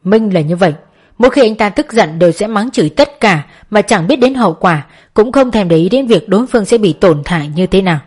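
A woman narrating a novel as an audiobook in a steady storytelling manner. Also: mid-range voice, a little fast, slightly rough.

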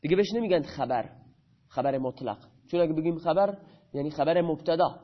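A man's voice: on the high side, lo-fi sound. Man teaching a grammar lecture. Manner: asks students questions and answers them himself.

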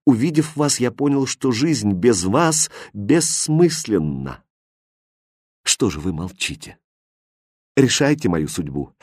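Man playing a gentle young king, calm, earnest, mid-pitched, pleading softly. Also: slow, husky, dry recording, clean studio sound, exaggerated voice. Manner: soft, soothing, earnest. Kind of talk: audiobook fairy tale reading.

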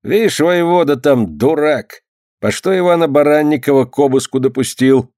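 Man voicing a barking, high-pitched stern clerk. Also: normal speed, mellow, dry recording, studio quality, natural voice. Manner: commanding, barking questions. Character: stern shouting old-time Russian male clerk. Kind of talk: audiobook character voice.

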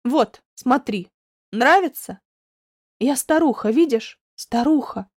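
A woman's voice: high-pitched, expressive, normal speed, darkish tone, dry recording, studio quality. A woman voicing a distraught young woman, speaking in raised, pleading, tearful outbursts.

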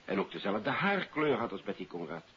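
An actor playing a courteous German police inspector in a 1950s radio drama, speaking in a polite, explanatory way. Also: male voice, mid-range voice, very animated, brisk, vocal fry, fairly bright tone. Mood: explanatory, baffled. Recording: muffled, hissy old radio recording.

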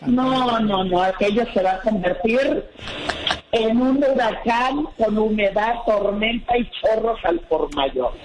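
A woman's voice: fairly high pitch, takes it slowly, reverberant, low-quality recording. A woman, a sexologist guest on a radio show, explaining things frankly and upbeat. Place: radio studio.

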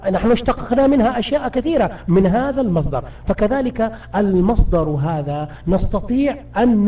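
A high-pitched man leads a grammar lesson, patiently quizzing his class and often stumbling over and repeating his words. His tone is mellow and dark. The audio is dull and lo-fi, as if he sits away from the microphone. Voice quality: frequent self-restarts and repeated words. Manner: patient, keeps quizzing students. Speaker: Arabic grammar teacher. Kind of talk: live online grammar lesson. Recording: muffled distant voice, lo-fi.

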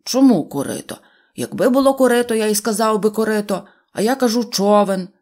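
Woman putting on a hot-headed storybook boy, blustery, flares up fast. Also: mid-range voice, expressive, darkish tone, lightly acted. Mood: indignant. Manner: quick-tempered, blustering. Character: hot-headed little boy driver, Dunno.

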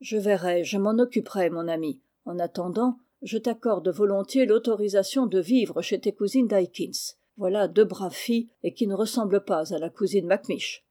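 A woman reading the part of a kindly male judge who speaks calmly and reassuringly in a storybook. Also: medium pitch, moderate pace, few pauses, natural voice. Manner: calm, reassuring.

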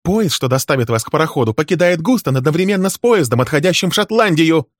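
A man voicing a shrill furious scorned wife. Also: a little fast, husky, no echo, studio quality, lightly acted. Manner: shrill, accusing, shouting. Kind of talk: dramatic audiobook reading.

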